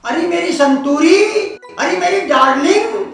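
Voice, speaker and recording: An actor playing a hard-of-hearing village elder in a comedy film, shouting in a rustic Haryanvi accent. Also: male voice, extremely high pitch, a little slow, exaggerated voice. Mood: bickering. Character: deaf, bumbling village elder man, husband. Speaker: hard-of-hearing old husband (Tau). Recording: echoey, distant room with music.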